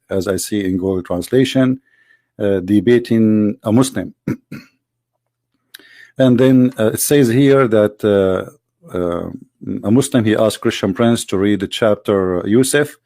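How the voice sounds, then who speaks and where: A man with a tired voice giving hesitant casual commentary as a video host, clearing his throat and pausing with fillers. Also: lowish voice, dark tone, no room sound, studio quality.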